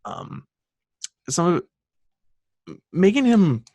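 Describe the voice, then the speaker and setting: A man's voice: sits high, huge pitch swings, slow pace, mellow, breathy edge, no room sound. A young man co-hosting a podcast, chatting casually in a rambling way with lots of fillers. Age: young adult. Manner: rambling with many fillers and laughs. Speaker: podcast co-host.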